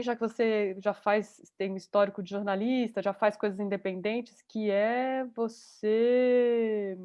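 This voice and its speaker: A woman's voice: medium pitch, darkish tone, highs cut off. A woman teaching an online journalism class over a video call, talking in a chatty way and thinking aloud. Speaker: journalism course instructor.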